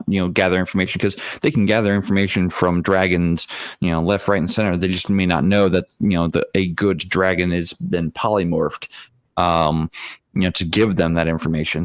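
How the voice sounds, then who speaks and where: Male game master, low voice, close dry sound, deliberate and wordy, casual discussion. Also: no room sound. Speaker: tabletop game master, panelist. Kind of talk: casual panel discussion of role-playing games.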